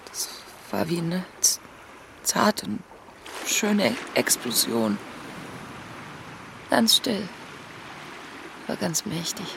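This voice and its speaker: A woman playing a grieving, wry woman in her thirties in a radio play, speaking plainly and haltingly. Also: fairly low pitch, sing-song, exaggerated voice. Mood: grieving, subdued. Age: 30s. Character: grieving, wry 32-year-old woman adrift at sea. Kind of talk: naturalistic radio play dialogue. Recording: clear watery background noise, boat-like ambience. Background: lapping water and sea ambience.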